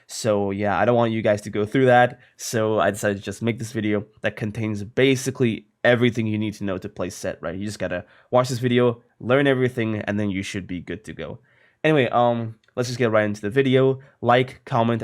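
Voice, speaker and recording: A man's voice: on the low side, fairly even intonation, brisk. A young man, a little sick, casually explaining a video game strategy in a guide, tossing in lots of fillers and "right?". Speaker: gaming content creator.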